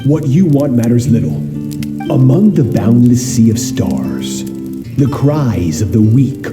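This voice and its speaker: Slow, merciless master swordsman. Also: medium pitch, expressive. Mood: cold, imperious. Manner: grave, pompous, measured pronouncements. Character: stern, merciless male master swordsman, cold and imperious. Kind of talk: scripted video game voice acting. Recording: echoing voice with music behind.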